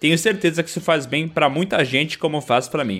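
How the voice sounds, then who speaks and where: A man talks at a very fast pace with lively intonation and a fairly high pitch. Music plays in the background. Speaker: film podcast co-host. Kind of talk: casual chat.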